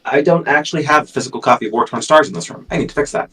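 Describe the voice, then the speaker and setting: A man's voice: fairly high pitch, very fast, bright, forceful tone, recorded from a distance, low-quality recording. A man speaking as a guest author in a casual livestream chat, with a dry, self-deprecating manner. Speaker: guest, science fiction author.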